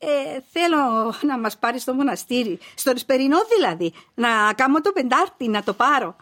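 An actress with a Cypriot Greek accent playing a devout, pious old mother who is gentle but stern. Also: high-pitched. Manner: pious, scolding, lively speech.

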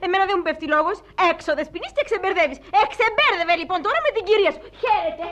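A woman's voice: very high voice, expressive, a bit bright. A woman playing a brazen, proud young secretary and jilted mistress in a theatrical comedy, pert and defiant, on a dull recording. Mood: defiant, indignant. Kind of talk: theatrical stage-comedy acting. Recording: dull, band-limited audio.

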